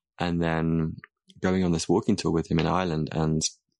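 A man with a southern English accent speaks slowly with a very deep, low pitch and fairly even intonation, in a dry, close sound with no echo against a quiet background. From England, Hertfordshire. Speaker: breathwork facilitator. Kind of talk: casual chat.

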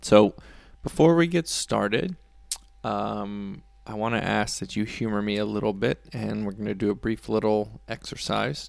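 A man speaks in a relaxed tone. The recording is very clean, with a silent background. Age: 30s. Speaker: podcast host. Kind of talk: solo podcast monologue; informal guided eyes-closed visualization, breathing cue. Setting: alone in a home room with a microphone. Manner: relaxed, joking, with filler ums and laughs.

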